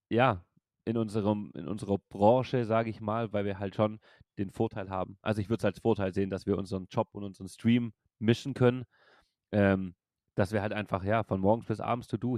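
A man's voice: fairly low pitch, steady tone, fairly quick, a little mellow, dry recording, studio quality. A man in his thirties hosting a casual podcast chat, rambling and laughing often, with a loose, swearing way of talking. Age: 30s. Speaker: podcast host and streamer.

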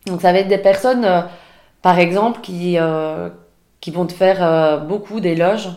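A woman's voice: lowish voice, measured pace, darkish tone. A woman from Belgium, a podcast guest, talking casually and hesitantly with many restarts. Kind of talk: casual conversation. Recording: roomy echo.

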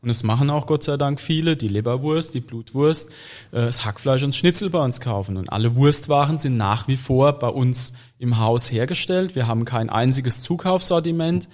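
A man's voice: medium pitch, moderate pace, darkish tone. A man, a butcher guest chatting casually and explaining at length with fillers. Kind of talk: casual chat.

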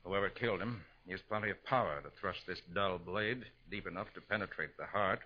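An actor playing a confident, shrewd American private detective, precise and authoritative, in a 1940s radio crime drama. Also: male voice, sits low, a little fast. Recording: dull 1940s radio recording.

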